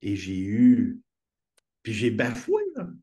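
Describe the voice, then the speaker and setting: A man's voice: fairly low pitch, huge pitch swings, slow pace, warm tone. Earnest Québécois man telling stories. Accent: Québécois French. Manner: earnest storytelling, enthusiastic. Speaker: guest speaker. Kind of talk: conversational interview.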